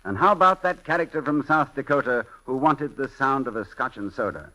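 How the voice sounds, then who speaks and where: A man hosting a 1940s radio show, reading letters in a brisk, jokey announcer's delivery. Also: medium pitch, sharp tone, rough recording.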